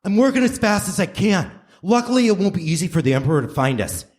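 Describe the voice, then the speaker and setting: A man's voice: sits high, big pitch swings, quick pace, a little mellow, voice pushed up. A man playing a desperate, earnest inventor in a hammy live radio play. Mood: hurried, earnest. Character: desperate, earnest male inventor racing against time. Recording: noisy live stage recording.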